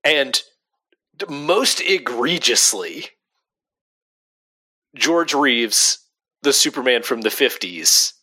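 A man's voice: mid-range voice, expressive, slow pace, long pauses, bright, forceful tone, slightly rough. A man co-hosting a casual movie podcast, rambling and restarting his sentences and laughing often. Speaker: podcast co-host.

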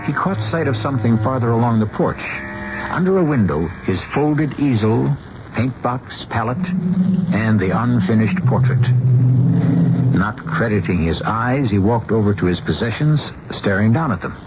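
An actor narrating a radio mystery drama as a measured storyteller. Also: male voice, medium pitch, expressive, natural voice. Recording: muffled, clearly noisy radio recording.

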